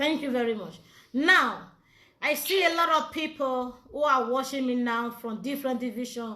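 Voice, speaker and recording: Amid audible room echo, a woman with a high pitch and a bright, sharp tone speaks in a raised, projected voice at a moderate pace, with ordinary pitch variation. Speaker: police officer and live-stream host. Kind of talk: live video interview. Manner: switches to Nigerian Pidgin.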